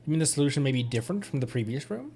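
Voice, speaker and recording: A man's voice: mid-range voice, sing-song, racing, vocal fry, warm tone. A man livestreaming a game, chatting casually and reading dialogue aloud in a playful, rambling way. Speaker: streamer. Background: faint game music.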